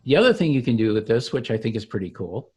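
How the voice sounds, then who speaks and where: A man giving an informal software demo as a company founder, explaining each click like a salesman. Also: mid-range voice, expressive, fast, breathy edge. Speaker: company founder demonstrating his product.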